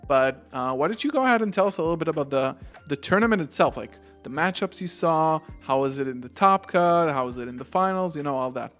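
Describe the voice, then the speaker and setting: A man's voice: on the high side, quick pace, hardly any pauses. A man hosts a livestreamed interview with a loose, chatty delivery, filling his speech with "like" and "you know." Faint music runs in the background. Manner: relaxed, chatty, many fillers. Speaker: host, interviewer.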